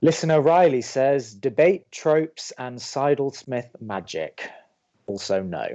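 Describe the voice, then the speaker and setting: A man's voice: medium pitch, animated, slow, warm tone, dull audio, faint music behind. A man playing an awkward, wry young college radio co-host in an audio drama. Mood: dry, opinionated. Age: young adult. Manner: dry, exasperated, awkward.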